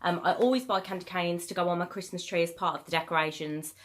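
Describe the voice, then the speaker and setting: A woman, a bit croaky from a cold, chatting casually through a shopping haul video with frequent ums. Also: lowish voice, fairly even intonation, fast talker. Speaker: YouTuber.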